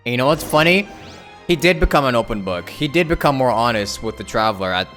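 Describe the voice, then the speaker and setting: Male game streamer: casual slangy reactions, lively swings in tone, faint music behind. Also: mid-range voice, fast. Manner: slangy, expressive.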